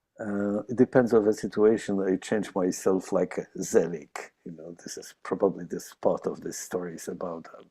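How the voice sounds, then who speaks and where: A man speaks with a Polish accent. His loudness swings widely. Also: moderate pace. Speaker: jazz musician. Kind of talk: Q&A conversation. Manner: halting.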